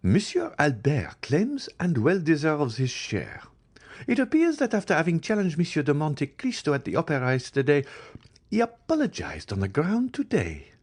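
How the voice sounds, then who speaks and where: A man's voice: a little high, huge pitch swings, moderate pace, darkish tone, slightly rough, voice pushed up, heavily acted. A man voicing an outspoken, strong-willed young woman who speaks firmly and candidly, in a reading of a classic novel. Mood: scornful. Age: young adult. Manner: firm, candid, emphatic.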